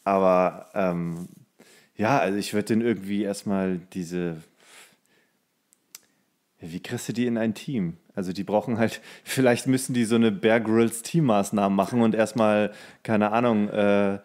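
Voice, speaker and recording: A man with a slightly deep voice co-hosts a podcast. He speaks in an informal, conversational style with a wry, joking manner. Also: steady tone, unhurried, a little mellow. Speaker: podcast co-host. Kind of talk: casual chat.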